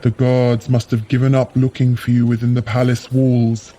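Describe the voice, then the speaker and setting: An actor playing an anxious, principled and courteous male ally in an audio drama, with a measured, gentle, formal delivery. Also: mid-range voice, completely flat delivery, natural voice.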